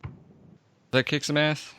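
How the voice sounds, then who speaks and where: A man's voice: a little slow, bright, forceful tone, a little hiss or hum. A man taking part in a tabletop game, talking casually and hesitantly, a little off the microphone. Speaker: player on a tabletop game podcast.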